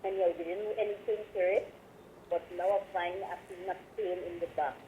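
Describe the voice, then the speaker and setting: A woman's voice: on the low side, fairly even intonation. Woman caller over the phone. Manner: halting, broken phrasing. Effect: heard over the phone. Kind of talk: call-in radio health question. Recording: tinny phone line with faint noise.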